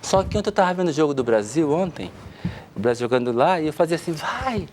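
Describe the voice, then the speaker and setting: Brief: Brazilian man, 50s, family counselor on a studio talk show; animated, plays out little scenes in different voices. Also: fairly high pitch, fast, slight background noise. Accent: Brazilian Portuguese. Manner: lively, acts out spouses' quotes.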